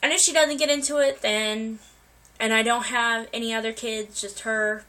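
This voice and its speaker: A woman's voice: on the high side, steady tone, moderate pace, bright, forceful tone, poor audio. A young woman vlogger getting over a cold, chatting casually to her viewers with many ums and restarts. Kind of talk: casual life update to viewers.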